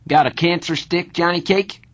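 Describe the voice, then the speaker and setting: A man voicing a tough, sardonic young male street hood in an audiobook, rough and blunt, with slangy teasing talk. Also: a little high, steady tone, normal speed, fairly bright tone, pitched above the performer's own voice, natural voice. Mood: brash. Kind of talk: audiobook character dialogue.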